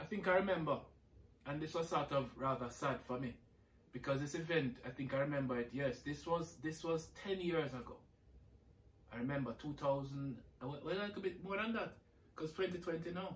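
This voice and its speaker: A man with a Jamaican accent, fairly high in pitch, fairly quick in pace, with ordinary pitch variation and long, frequent pauses. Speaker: environmental scientist and conservationist. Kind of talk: interview answers.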